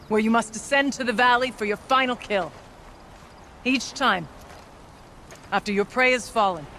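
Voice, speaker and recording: An authoritative tribal elder in a dramatic video game. The voice is high and forceful, delivering ceremonial, formal speech with command. There is clear noise behind it. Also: male voice. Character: authoritative tribal elder presiding over a ritual hunt.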